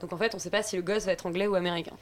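A woman's voice: lowish voice, fairly even intonation, rapid-fire, slight background noise. A woman hosting a casual radio talk show about films, teasing her guests and steering the conversation.

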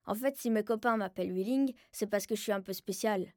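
A woman's voice: mid-range voice, fairly quick, background noise, lightly acted. A woman voicing a wry, self-mocking disabled boy who tells his life casually in a radio drama monologue. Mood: wry, deadpan. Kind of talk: first-person radio fiction monologue, colloquial. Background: music.

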